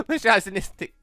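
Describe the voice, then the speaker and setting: A let's player narrating a visual novel with animated, casual commentary, reacting out loud and slipping into character voices. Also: mid-range voice, dry recording. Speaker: video game let's player.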